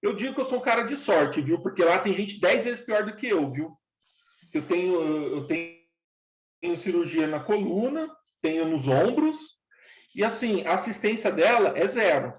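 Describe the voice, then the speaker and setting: A man's voice: sits high, lively intonation, measured pace. A man of forty, a former factory worker giving an earnest, plain-spoken account in an interview. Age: 40s. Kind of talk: casual interview talk. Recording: echoey room, dull lo-fi sound.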